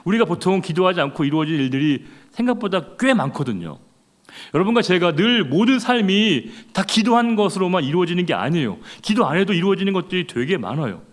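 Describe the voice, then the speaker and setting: A man's voice: high-pitched, expressive, fairly quick. A middle-aged man preaching a sermon as a pastor, talking conversationally and putting rhetorical questions to the congregation.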